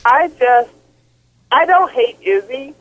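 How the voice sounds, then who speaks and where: A woman's voice: sits high, takes it slowly, a bit bright, poor audio. A woman calling in to a podcast for casual chat over glitchy call audio that keeps breaking up, chatty and laughing between her points. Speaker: podcast caller.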